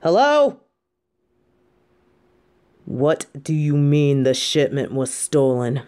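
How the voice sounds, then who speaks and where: Woman playing a female mafia boss, slow delivery, dangerous yet devoted, intimate audio drama, music underneath. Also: deep voice, sing-song, warm tone, full character voice. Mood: exasperated. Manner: swings between cold threats and tender pleading. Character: menacing, possessive female mafia boss, doting girlfriend. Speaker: voice actor in audio roleplay. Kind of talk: intimate scripted girlfriend audio roleplay. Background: background music.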